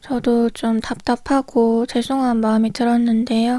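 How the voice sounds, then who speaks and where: In a dry, close recording with no echo, a woman speaks at a fairly slow pace in a high pitch, her tone dark and mellow and her intonation monotone and flat. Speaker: tarot reader. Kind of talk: casual chat. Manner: youthful, childlike way of speaking.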